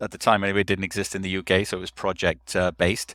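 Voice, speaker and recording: In a very clean recording with a silent background, a man speaks in a monotone, flat way with a bright, sharp tone. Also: dry, close sound with no echo. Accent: Welsh. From South Wales, Newport. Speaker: marketing and sales executive. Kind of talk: podcast interview. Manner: hesitant, many fillers.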